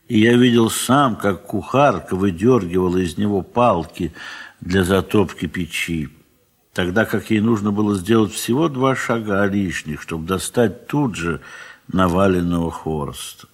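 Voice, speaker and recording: A man narrating a literary audio drama in measured, dramatic phrases with long pauses. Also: fairly low pitch.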